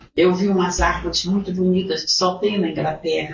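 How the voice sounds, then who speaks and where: With audible room echo, a woman talks at a fairly slow pace and ordinary pitch variation. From Brazil, Rio de Janeiro. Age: 70s. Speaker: missionary. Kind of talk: testimony.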